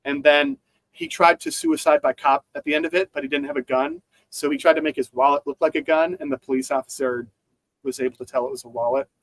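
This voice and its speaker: A man's voice: on the high side, animated, fast, rough recording. A man co-hosting a podcast, talking through news in a rambling casual way with many fillers and restarts. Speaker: podcast co-host.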